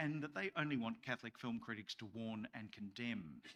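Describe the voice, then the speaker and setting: At a moderate pace, a man with a medium pitch and a bright, sharp tone speaks with lively intonation. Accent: Australian. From Australia. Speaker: Jesuit priest and film critic. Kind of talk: lecture.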